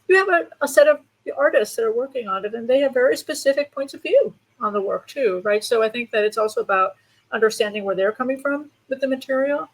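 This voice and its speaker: A woman with a fairly high voice leads an interview. She talks in a thoughtful, searching way and sometimes restarts a word as she finds her phrasing. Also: lively intonation, fast talker, poor audio. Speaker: interview moderator. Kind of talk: conversational interview.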